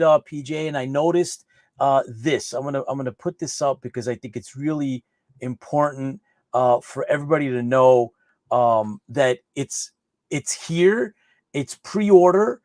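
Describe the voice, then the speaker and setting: A chatty man hosts a live online interview show. His voice sits a little high, and the sound is close and dry with no room echo. He often repeats words and restarts his sentences. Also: darkish tone. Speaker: host.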